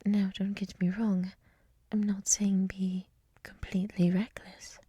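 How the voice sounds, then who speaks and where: A woman playing a gentle, wise monster lady in an ASMR roleplay, whispering softly in a soothing, reflective, encouraging way, close to the mic. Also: medium pitch, little pitch movement, a little slow, dry recording. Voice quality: soft, breathy whisper. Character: gentle, wise monster woman with many eyes, hotel resident. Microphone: close mic, dry.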